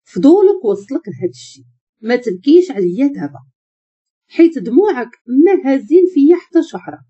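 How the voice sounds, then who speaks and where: A woman's voice: high voice, sing-song, brisk, dark tone. A woman with a Moroccan accent voicing a cold, threatening young man in a storybook tale. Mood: cold, menacing. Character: cold, menacing young man, a crime boss's son. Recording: muffled lo-fi recording.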